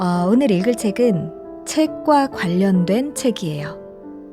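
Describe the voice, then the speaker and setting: Over music in the background, a woman speaks very slowly at a medium pitch with very wide pitch swings. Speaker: freelance announcer, audio narrator. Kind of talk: casual talk to listeners.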